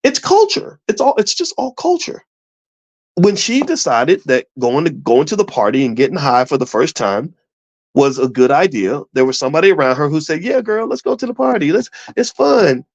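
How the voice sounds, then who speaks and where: A man's voice: fairly high pitch, big pitch swings, normal speed, lo-fi sound. A man giving impassioned commentary in a preachy, emphatic way, putting questions to his listeners.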